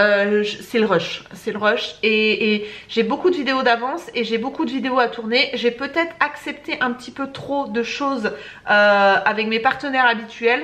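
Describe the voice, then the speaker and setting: A woman's speech, neither fast nor slow, with pitch moving in a normal way. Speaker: beauty vlogger. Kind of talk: casual vlog chat. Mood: busy, a bit overwhelmed. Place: home room.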